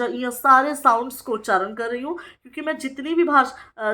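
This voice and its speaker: A woman from Bihar, India, training teachers in a lecture. She reads English lines slowly, explains them, and keeps checking in with "okay?". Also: sits high, a bit bright. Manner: frequent "ठीक है" check-ins with the listener.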